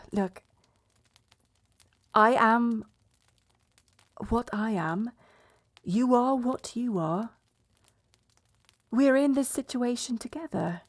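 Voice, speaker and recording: A woman's voice: fairly high pitch, extremely slow, long pauses. A woman playing a proud, blunt betrothed princess in a medieval romance audio roleplay, sardonic and exasperated in manner. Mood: weary, resigned. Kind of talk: romance audio roleplay acting, addressed to listener.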